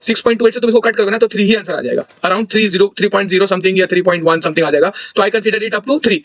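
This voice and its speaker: Young man, high voice, casual tutor, thinks aloud, self-correcting, dry dull lo-fi recording. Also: quick pace, a bit bright, no room sound. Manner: thinks aloud, corrects himself mid-sentence. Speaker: exam solution tutor. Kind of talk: casual explanatory walkthrough.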